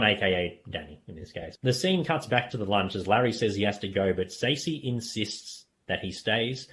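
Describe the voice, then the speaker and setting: Low-pitched man recapping, often amused. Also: fairly bright tone. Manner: chuckles often while retelling. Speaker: podcast host. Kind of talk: casual scene-by-scene recap of a TV comedy episode.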